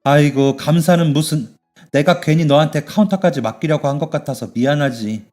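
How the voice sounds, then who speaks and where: A man's voice: fairly high pitch, a little fast, faint music behind, natural voice. A man voicing a fierce motherly bathhouse boss lady. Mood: doting. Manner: shouting threats, then fussing warmly. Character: fierce, caring middle-aged female bathhouse owner.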